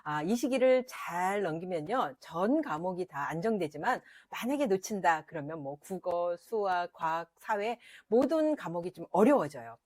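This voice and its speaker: Lively woman explaining to parents. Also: medium pitch, dry recording. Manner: lively, emphatic explaining with frequent fillers. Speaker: literacy educator. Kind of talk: parenting advice lesson.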